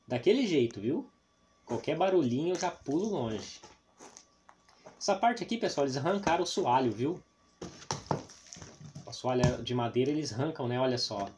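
Here the Paraná-born vlog host speaks in a medium-pitched, slightly mellow voice. He casually addresses his viewers with plenty of tag questions while filming a roofless abandoned house and its overgrown yard on a handheld camera, and the outdoor sound is noisy.

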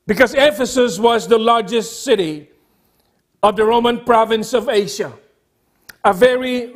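A middle-aged man preaching a sermon as a pastor, speaking deliberately in short, emphatic phrases with repetition. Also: extremely high pitch. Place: church sanctuary, at a pulpit.

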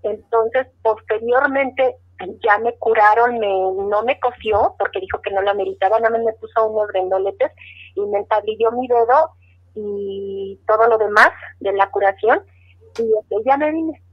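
A woman's voice: fairly high pitch, moderate pace, slightly rough. A middle-aged woman, earnestly telling a personal story in an interview, repeating words as she recalls it. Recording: dull lo-fi audio.

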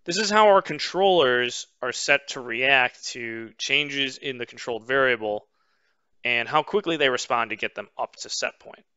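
A man walks through a recorded webinar lesson, pausing on "um" as he explains each slide. His voice is bright and smooth. The audio is dry and close, with a slightly muffled band. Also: mid-range voice, no echo. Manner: measured explanatory pace with frequent "um" fillers. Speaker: instructor. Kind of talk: webinar lecture over slides.

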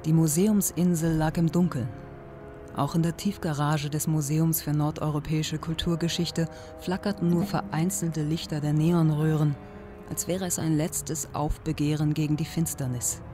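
An actor playing an ominous narrator, reading scripted narration for an audio drama. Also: male voice, on the high side, fairly even intonation, normal speed, lightly acted. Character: ominous male narrator of a mystery tale. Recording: clear music under narration.

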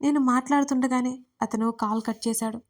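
A woman's voice: sits high, fairly even intonation, fairly quick. A woman narrating a first-person audio love story, emotional and tearful in her telling. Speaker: writer and narrator.

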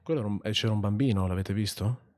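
A man giving joking, swearing commentary over a horror game, yelling when startled. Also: on the low side, quick pace. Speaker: gaming host. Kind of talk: horror let's play commentary.

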